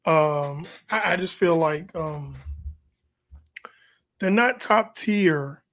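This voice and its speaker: A man's voice: on the high side, very slow, a bit bright. A man from Texas co-hosting a podcast, chatting casually and giving slangy, opinionated takes on sports. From Texas, United States. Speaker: podcast co-host.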